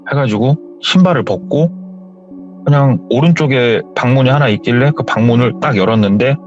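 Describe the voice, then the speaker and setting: A man hosting a horror story radio show, telling a story in an animated way and acting out the quoted lines. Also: medium pitch, brisk. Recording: dull audio with faint music.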